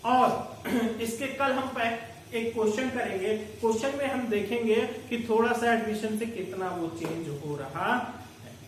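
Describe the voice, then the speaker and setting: High-voiced male teacher in an echoey room. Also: measured pace. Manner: explains step by step, addresses students as "beta". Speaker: commerce teacher. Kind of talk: recorded accounting lecture. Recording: very echoey room, distant mic, faint noise.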